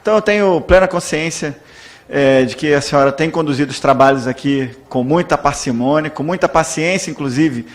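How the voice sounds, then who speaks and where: A Brazilian Portuguese-speaking man addresses the chair in a formal, measured and deferential tone. His voice sits slightly high for a man. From Brazil, born in Salvador. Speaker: legislator. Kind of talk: parliamentary speech.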